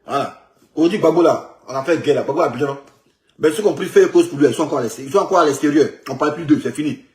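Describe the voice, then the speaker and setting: A man comments on a picture in an animated, rambling flow, stumbling over words and repeating himself. His voice sits a little high for a man. The room around him is echoey. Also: very fast. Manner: animated, repetitive, stumbling restarts. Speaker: political commentator.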